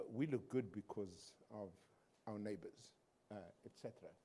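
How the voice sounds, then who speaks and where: A man speaks with a South African accent. His pace is moderate, and his pitch varies in an ordinary way. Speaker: education professor giving a keynote. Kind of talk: keynote lecture. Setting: stage with audience. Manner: animated; humorous. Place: hall. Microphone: handheld.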